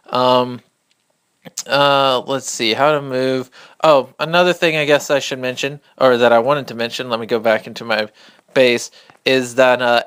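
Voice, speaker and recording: Quiet but clear man, dry close sound. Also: mid-range voice, no room sound. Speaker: gamer hosting a beginner's tutorial. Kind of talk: casual off-the-cuff game tutorial. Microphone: phone held a couple of inches from the mouth.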